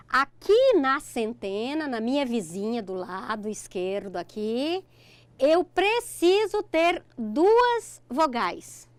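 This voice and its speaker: A middle-aged Brazilian woman gives a recorded online grammar lesson, her Brazilian Portuguese accent coming through a voice on the high side with a clean tone. She moves step by step and keeps checking in by asking "ok?".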